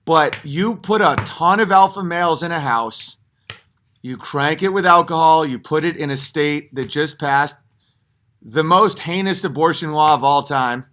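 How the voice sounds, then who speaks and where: A man's voice: fairly high pitch, a little slow. A man hosting his own stream, telling digressive stories in a rambling, off-the-cuff monologue full of fillers and restarts. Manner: animated, jumps into mock voices for punchlines.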